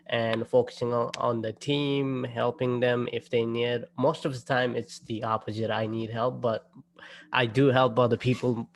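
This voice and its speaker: A man from Nepal, a student panelist, introducing himself in a casual, self-deprecating way. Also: mid-range voice. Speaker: student ambassador.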